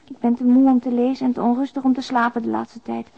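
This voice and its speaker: A despairing young single mother confides by letter in this radio drama voice-over monologue, weary and subdued. Her higher-pitched voice moves fast with vocal fry and little pitch movement. The lo-fi recording sounds dull.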